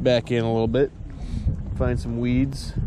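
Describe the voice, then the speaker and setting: Noticeable background noise sits behind a man's voice. There is no echo, and the sound stays dry. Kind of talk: casual vlog chat. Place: boat. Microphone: phone near.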